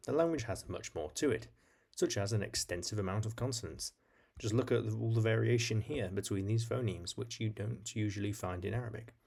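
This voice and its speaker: A man's voice: lowish voice, vocal fry, darkish tone. A man hosting an educational video, reading scripted narration in an explanatory style. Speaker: video host.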